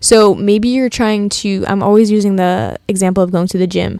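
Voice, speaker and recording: With a dry, close sound and no echo, a woman in an American accent speaks in an animated tone at a medium pitch and moderate pace. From New York. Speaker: podcast host, yoga teacher. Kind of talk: solo podcast monologue. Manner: casual, conversational.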